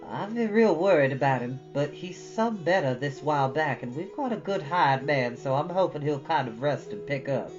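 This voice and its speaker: A woman's voice: low voice, expressive, normal speed, hardly any pauses, muffled recording, music in the background. A woman voicing a plain-spoken, stern but caring older country woman in a folksy, matter-of-fact storybook reading. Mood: troubled.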